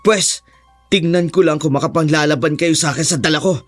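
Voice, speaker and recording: A man voicing a brave young student, tense and high. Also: brisk, faint music behind, close to an everyday voice. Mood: defiant. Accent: Filipino. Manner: tense, urgent, shouting. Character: brave young male student fighting aswang.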